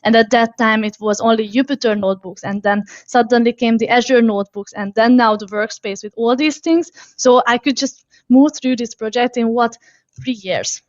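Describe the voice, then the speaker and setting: A woman in her thirties, originally from Hungary, tells her story as a guest in a casual interview. Her voice sits a bit high, and she stumbles through fillers and restarts with frequent laughs. The sound is dry and somewhat dull. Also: fairly even intonation, moderate pace, no echo. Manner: hesitant, many fillers and restarts, laughs often.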